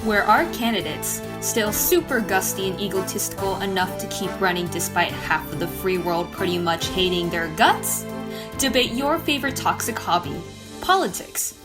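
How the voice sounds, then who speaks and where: A woman's voice: medium pitch, normal speed, loud music behind the voice, natural voice. A woman playing a jaded, sarcastic debate co-host in a staged political satire, with a dismissive way of talking. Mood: mock announcing. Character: jaded, sarcastic female debate co-host and apathetic non-voter.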